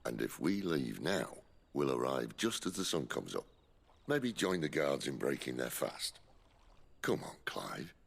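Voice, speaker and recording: An actor playing a gruff, wry middle-aged rebel leader with a husky, commanding voice in a video game. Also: male voice, sing-song, unhurried, full character voice. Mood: wry, persuasive. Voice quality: very deep, gravelly, husky. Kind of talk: cinematic game cutscene acting.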